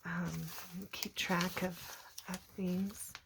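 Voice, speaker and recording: A middle-aged woman with a hoarse, croaky voice, casually showing handmade journals. She talks softly and often slips into a whisper. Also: lowish voice, level tone, drawn-out words, noisy background. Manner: soft-spoken, often drops to a whisper. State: hoarse, recovering from a cough. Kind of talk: casual show-and-tell narration.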